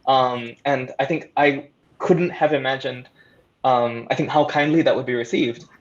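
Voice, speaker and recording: A man talking casually and encouragingly on a panel as an audio drama creator, with an excited manner. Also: medium pitch, moderate pace, lo-fi sound.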